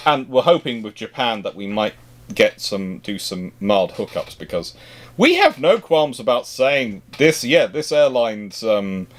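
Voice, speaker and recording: Male stream host, mid-pitched, conversational and rambling, often repeating words as he restarts. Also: animated, unhurried. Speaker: livestream host. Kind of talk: casual chat.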